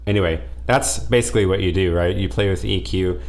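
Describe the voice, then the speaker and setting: A man's voice: sits low, a little fast, darkish tone. A man hosting a live question-and-answer stream from a home studio, talking casually and thinking aloud with frequent restarts. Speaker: livestream host answering viewer questions. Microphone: headset or desk mic with headphones.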